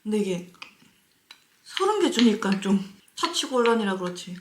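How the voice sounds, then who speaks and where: A woman with a mid-range, sing-song voice chats at a moderate pace with her audience while eating on camera. Often mouth full, she murmurs savoring asides between bites in this casual mukbang. Clicks and faint noise come through a roomy echo.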